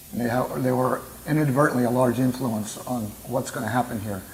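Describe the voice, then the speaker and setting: Against noticeable background noise, a man with a medium-pitched voice speaks at a fairly quick pace. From Philadelphia, US. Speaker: natural food store founder. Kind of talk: talk to an audience. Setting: talk at a spiritual center.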